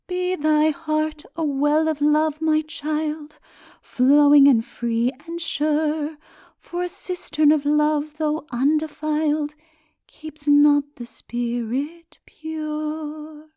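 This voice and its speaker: A mysterious ancient woman, sung by a female narrator in a storybook fantasy. Her high voice draws out each melodic phrase very slowly, solemn and tender. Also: steady tone, mellow. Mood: tender, singing. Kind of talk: slow sung verse in a fantasy audiobook.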